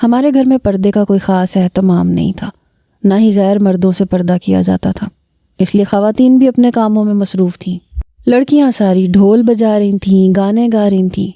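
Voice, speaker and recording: Very dark-voiced woman storyteller. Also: mid-range voice, vocal fry, no room sound. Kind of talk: scripted story narration.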